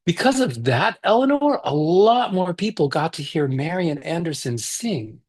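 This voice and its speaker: A man, a children's author, reading his picture book aloud in a lively, expressive way over a video call. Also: on the high side, a little slow, husky.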